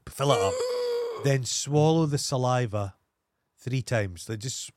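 A man's voice: mid-range voice, lively intonation, a little slow, no room sound, clean studio sound. A Scottish man co-hosting a podcast, chatting in a blunt, sweary, mocking way. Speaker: podcast co-host. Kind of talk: casual comedic chat.

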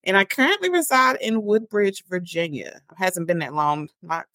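A woman's voice: on the low side, moderate pace, a bit bright, no room sound, clean studio sound. A woman in her forties from Baltimore, a guest talking candidly about her faith, joking and laughing easily. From Baltimore, Maryland. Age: 40s. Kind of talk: casual interview.

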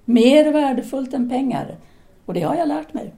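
Woman acting a mellow, self-assured intellectual teacher. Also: high voice, expressive. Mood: earnest, philosophical. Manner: articulate, formal, lecturing. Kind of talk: audio drama dialogue acting.

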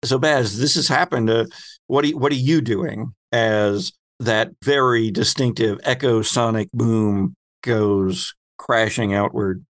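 Acting as both host and game master, this man tells an improvised story in a relaxed, conversational way, with pauses while he looks for words. His voice is on the low side and steady.

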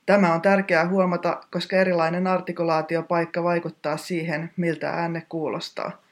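A teacher giving a scripted pronunciation lesson in a precise, technical, instructive manner. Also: medium pitch.

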